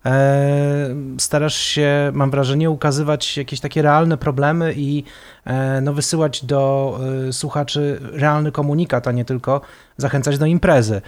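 A man, the interviewer, asking measured, probing questions. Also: a little high, little pitch movement, darkish tone.

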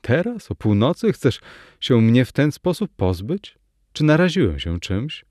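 A man's voice: lowish voice, expressive, takes it slowly, mellow, dry recording, clean studio sound. A man voicing a devoted, lovesick young painter in a storybook reading, speaking earnestly. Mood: pleading.

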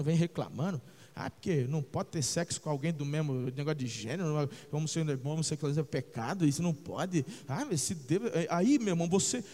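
Preaching man in a reverberant hall. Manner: preaching with swings from shouting to low intensity; addresses listeners as brother, checks in with the crowd. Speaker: pastor. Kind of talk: sermon.

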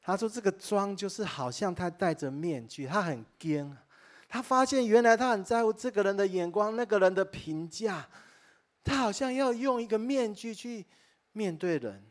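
Male pastor with a somewhat high voice, preaching live in church. Earnest storyteller who often exclaims in wonder and turns to address the congregation directly. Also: expressive, normal speed. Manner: addresses listeners directly and warmly as dear friends. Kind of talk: sermon.

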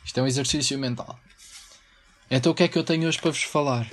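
A man's voice: mid-range voice, fairly even intonation, quick pace. A young man with a European Portuguese accent, hosting a casual solo podcast, rambling and slangy. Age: young adult. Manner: rambling and slangy, breaks into mock singing. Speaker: podcast host.

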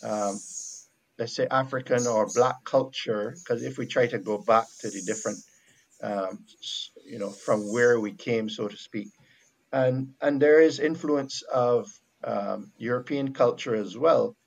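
Speaking with a Bajan accent, this Barbadian man is a missionary guest in a relaxed talk about faith. He's reflective and halting, restarting often, with a mid-range voice, vocal fry and poor audio quality.

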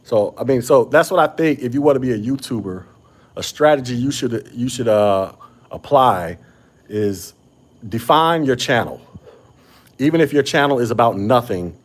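A man hosting a casual podcast chat, talking with a slight stutter and frequent restarts. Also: mid-range voice. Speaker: podcast host. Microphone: podcast microphone.

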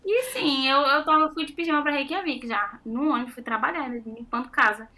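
Woman, young adult, from Brazil, casual chat, self-mocking, bright tone. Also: high voice, fairly quick. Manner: animated storytelling with self-mocking exclamations.

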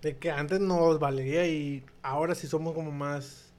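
A man's voice: on the high side, steady tone, normal speed, darkish tone. A Mexican man with a Mexican accent, co-hosting a casual podcast chat and chiming in with short agreeing replies. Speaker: podcast co-host.

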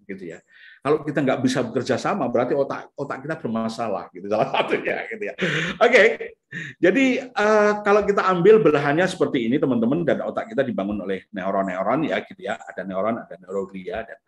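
Male seminar speaker, conversational and animated when he acts out scenes, recorded in an echoey hall. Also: medium pitch. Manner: conversational, many fillers like "gitu ya"; acts out parents and children in lively bursts. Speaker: lecturer on the brain and parenting. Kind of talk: casual seminar talk. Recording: echoey room.

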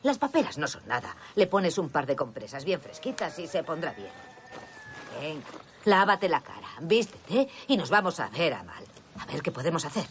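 A woman's voice: sits low, very animated, moderate pace. A bossy, caring village mother. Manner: firm, scolding, coaxing. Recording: film soundtrack with clear background noise.

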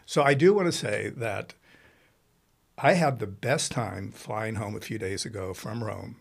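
A man's voice: on the low side, unhurried, vocal fry, husky. A man from Italy hosting a casual interview, talking in an enthusiastic, rambling and effusive way. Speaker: podcast host.

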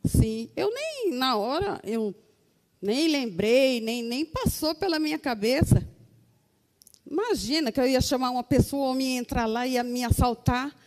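Brazilian lady giving church testimony, earnest, soft warm tone, long echo. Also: high-pitched, moderate pace. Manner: earnest, addresses listeners as brothers. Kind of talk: testimony to a congregation.

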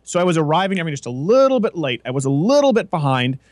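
A man's voice: on the high side, sing-song, quick pace, no room sound, studio quality. A man hosting a talk show, explaining his views in long, rambling, opinionated stretches with frequent restarts. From Canada. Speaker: host. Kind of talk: casual radio talk show chat.

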